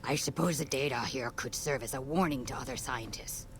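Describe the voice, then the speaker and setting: Dry ghoul scientist. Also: female voice, very deep voice, brisk, over music. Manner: dry, matter-of-fact. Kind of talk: video game dialogue.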